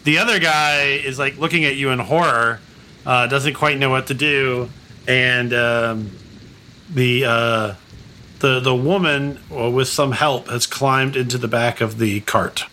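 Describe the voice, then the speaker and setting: Man, game master, bright, relaxed, faint noise behind. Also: mid-range voice, unhurried. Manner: relaxed, filler-heavy narration. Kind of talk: narrating a tabletop game.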